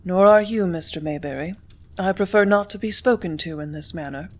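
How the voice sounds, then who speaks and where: A woman reading the part of a composed young office clerk who answers quietly, firmly and tartly. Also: lowish voice, brisk, natural voice. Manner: quiet, firm, tart.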